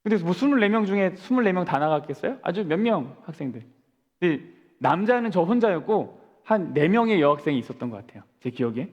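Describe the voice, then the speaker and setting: Man, 40s, pastor giving a storytelling sermon, lively delivery with the long reverb of a church hall. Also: high-pitched, quick pace, dull audio. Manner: storytelling, asks the congregation questions and answers them. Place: church sanctuary.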